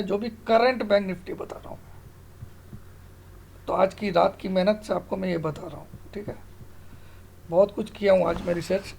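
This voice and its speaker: A man's voice: high-pitched, gravelly, darkish tone, a little hiss or hum. A middle-aged man explaining informally like an online tutor, self-assured and emphatic, often putting questions to the listener and checking they follow. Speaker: stock market analyst and online tutor. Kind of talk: informal screen-tutorial explanation of trading charts.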